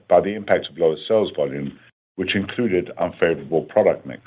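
Male finance executive, deep and rough-edged, formal scripted read over a thin telephone connection. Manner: formal, measured reading of figures. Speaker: company finance executive presenter. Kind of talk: scripted earnings call presentation. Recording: tinny phone-like conference line.

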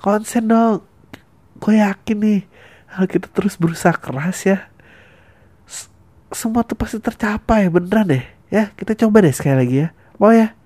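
A man's voice: high voice, normal speed, long pauses, darkish tone, no room sound, voice pushed up. An earnest, upbeat bandmate, coaxing and reassuring in a raised voice, as a man puts him on. It is recorded dry and close. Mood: encouraging.

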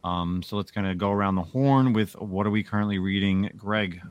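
A man hosting a comic book podcast, telling a story in a casual, animated way. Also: on the low side, normal speed, clear, resonant tone, dry recording, muffled recording. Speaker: podcast host. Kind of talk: casual chat.

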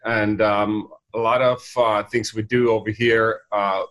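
A middle-aged man from Finland with a Finnish accent, a company founder talking casually as an interview guest, pausing often with many fillers. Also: lowish voice, flat delivery, fairly bright tone. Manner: halting, many fillers and restarts.

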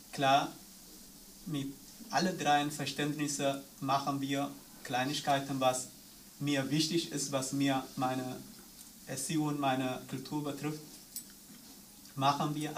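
A man from Eritrea, whose first language is an Eritrean language, earnestly telling of raising his son while searching for words. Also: mid-range voice. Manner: earnest, searching for words in non-native German. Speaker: discussion participant, father. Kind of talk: personal account in a discussion round. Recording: distant mic with faint room noise.

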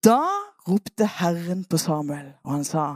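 A woman preacher retelling a Bible story in a lively sermon, coaxing her listeners to act out the parts. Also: fairly low pitch, dry recording, studio quality.

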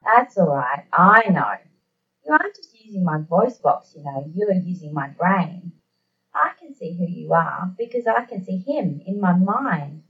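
A woman's voice: lowish voice, sing-song, a little slow, distant mic, phone-quality sound, pitched below the performer's own voice. A woman voicing a laid-back Aboriginal Australian man who talks in a blunt, kindly, matey way for an audio story. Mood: calm, knowing.

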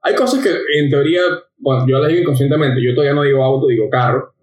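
A man's voice: medium pitch, fast, a little mellow, echoey room, rough recording. A young man, co-hosting a podcast and talking in an easygoing way with dry jokes. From Venezuela. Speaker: podcast co-host. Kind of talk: casual chat.

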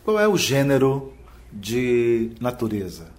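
A male interviewer who introduces the segment and asks measured, formal questions. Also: mid-range voice, very animated, darkish tone.

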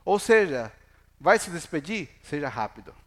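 A man's voice: a little high, big pitch swings, moderate pace, fairly bright tone. A middle-aged man preaching in Portuguese, a pastor who jokes with the congregation and asks them questions. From Chile. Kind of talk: sermon.

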